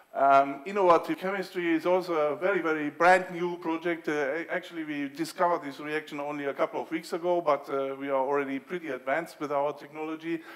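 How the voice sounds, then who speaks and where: With noticeable background noise, a man talks at a very fast pace with hardly any pauses, a fairly high pitch and fairly even intonation. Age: 60s. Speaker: chemistry professor. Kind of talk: conference talk. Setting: workshop with audience. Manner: halting, many fillers.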